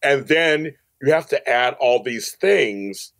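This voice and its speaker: Slow-paced but animated, a man with a medium-pitched, creaky, slightly bright voice recounts personal stories in a casual podcast interview. He's an audio drama producer appearing as a guest, and he often repeats phrases to stress them.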